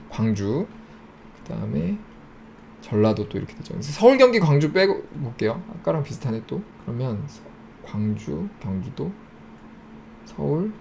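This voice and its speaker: A man hosting his own channel, casually walking through election figures on screen and listing regions in quick clipped phrases. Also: mid-range voice, creaky, darkish tone, slight background noise. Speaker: YouTube host. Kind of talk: casual screen-share data walkthrough.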